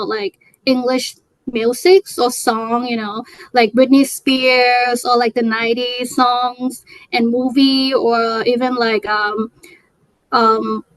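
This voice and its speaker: Hesitant Thai-born woman, highish voice. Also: no echo, rough recording. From Thailand. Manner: hesitant, many fillers and restarts. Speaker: guest. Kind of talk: casual interview chat.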